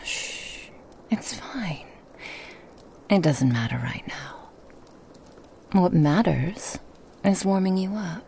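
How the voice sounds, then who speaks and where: A woman playing a lonely, hospitable woman in a remote forest cabin, speaking softly and coaxingly in a half-whisper to the listener. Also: on the low side, lively intonation, slow pace, gravelly, pauses often, slight background noise, full character voice. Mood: gentle. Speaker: ASMR roleplay performer. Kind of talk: ASMR roleplay, whispered to the listener.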